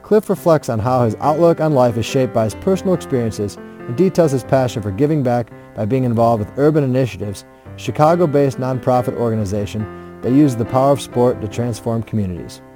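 A man's voice: mid-range voice, brisk, music in the background. A man hosting a casual interview podcast from home, friendly and a little self-deprecating, recording wrapped in a heavy blanket. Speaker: podcast host. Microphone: home podcast mic under a heavy blanket.

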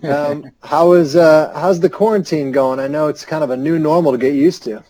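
A man's voice: fairly high pitch, normal speed, mellow, dry recording, low-quality recording. A man hosting a casual interview podcast from home, friendly and a little self-deprecating, recording wrapped in a heavy blanket. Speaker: podcast host. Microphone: home podcast mic under a heavy blanket.

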